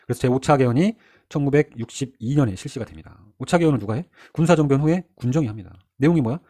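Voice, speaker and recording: A man's voice: medium pitch, animated, quick pace, dark tone. A middle-aged man giving a casual history lecture with a sore throat, chatty and full of rhetorical questions. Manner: chatty, asks the listener rhetorical questions, acts out quoted figures.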